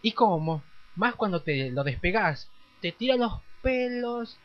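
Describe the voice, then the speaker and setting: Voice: mid-range voice, sing-song, unhurried, no room sound, soft background music. An actor voicing a campy, eager trans amateur dancer in a parody radio play, effusive and confiding. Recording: dry, dull lo-fi audio.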